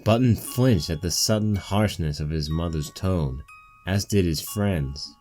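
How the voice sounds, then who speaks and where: A man's voice: sits low, measured pace, darkish tone, faint music behind. A man reading a story aloud as its narrator, in scripted storytelling style. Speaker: narrator of a fan fiction reading.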